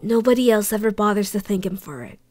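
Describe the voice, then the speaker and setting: A woman's voice: mid-range voice, animated, quick pace, mellow, faint music behind, lightly acted. A woman voicing a young captive boy in an audio drama, terse, defiant and fiercely loyal. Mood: guarded, earnest.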